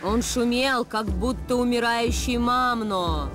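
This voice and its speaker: An actress voicing a grave, wise tribal woman leader in a cartoon, speaking in a measured, solemn way. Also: fairly high pitch, loud music behind the voice. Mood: solemn narrating. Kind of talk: animated adventure cartoon dub.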